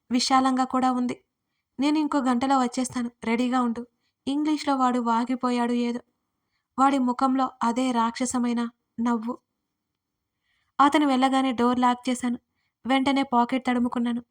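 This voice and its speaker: A woman author reading her own first-person audio story aloud. Her narration is scripted and steady, with a fairly high voice. The pitch stays narrow and even throughout.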